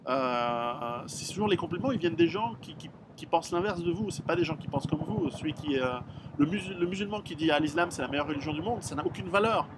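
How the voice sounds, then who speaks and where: Blunt, halting man. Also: fairly high pitch, lively intonation, noisy background. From Switzerland. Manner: frank and blunt, halting with many restarts. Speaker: author answering readers' questions. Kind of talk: casual spoken monologue.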